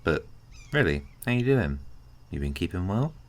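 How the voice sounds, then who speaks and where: A man playing a laid-back, kind, teasing male friend in an ASMR roleplay, chatting casually and haltingly to the listener. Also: low-pitched, sing-song. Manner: hesitant, halting, colloquial, with sighs and soft chuckles.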